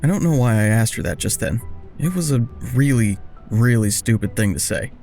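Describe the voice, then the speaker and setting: A man's voice: mid-range voice, lively intonation, moderate pace, gravelly, mellow, soft background music. An actor with an American accent playing a hapless, charming young man who tells his own story in an audio drama with wry self-deprecation. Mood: wry, rueful. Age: young adult. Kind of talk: audio drama first-person narration and dialogue.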